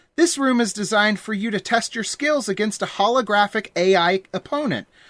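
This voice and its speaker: This put-on character voice sounds robotic, pitched fairly high at a moderate pace. The recording is very clean with a silent background. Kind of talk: announcement over an intercom.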